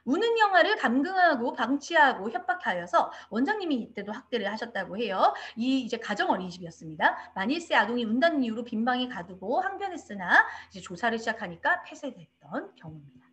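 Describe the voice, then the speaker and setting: A woman giving an online training lecture to childcare staff, in an animated instructive way, now and then acting out quoted speech. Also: fairly high pitch, a little fast. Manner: animated instructive delivery, acts out quoted parents and teachers. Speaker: lecturer on child abuse prevention. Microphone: video call.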